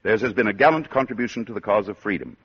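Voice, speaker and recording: A man's voice: lowish voice, fast, background noise. A man hosting a 1940s radio drama with genial, polished announcer patter. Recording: dull lo-fi 1940s radio broadcast.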